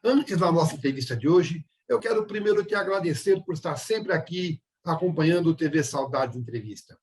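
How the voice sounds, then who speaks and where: A man's voice: fairly high pitch, expressive, fairly quick, distant mic. A man hosting an online interview show, chatty, with rambling questions full of restarts, recorded in an echoey room away from the mic.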